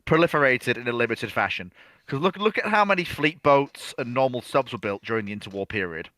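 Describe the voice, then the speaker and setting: A man on a casual history panel, making careful points in a halting, self-correcting way. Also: medium pitch, lively intonation, sharp tone, dry recording. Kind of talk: casual live history discussion.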